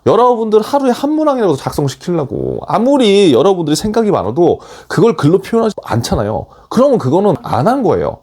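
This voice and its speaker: A man's voice: high voice, huge pitch swings, fast talker, few pauses, darkish tone. A man giving an online lecture as a job application coach, emphatic and urging, often switching into blunt casual speech.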